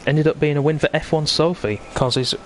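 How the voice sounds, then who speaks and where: A man's voice: on the high side, fairly even intonation, fairly quick, slight background noise. A man hosting live esports racing commentary in a chatty, conversational way, bantering with his co-commentator. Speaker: sim racing commentator and host.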